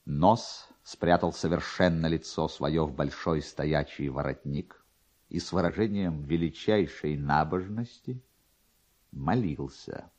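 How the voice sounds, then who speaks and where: A man narrating a literary story in a theatrical, expressive manner. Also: very deep voice, slow pace.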